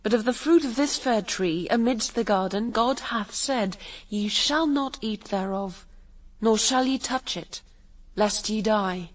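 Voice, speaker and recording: A woman's voice: fairly high pitch, a little slow, low-quality recording. A woman playing an innocent, trusting first woman in a classical verse radio drama, speaking earnestly. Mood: solemn.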